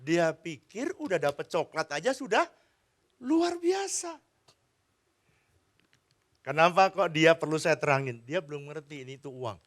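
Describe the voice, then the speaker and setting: In a church, a pastor with a slightly high voice preaches a little fast, hardly pausing. He tells his sermon through animated stories and chats with the congregation.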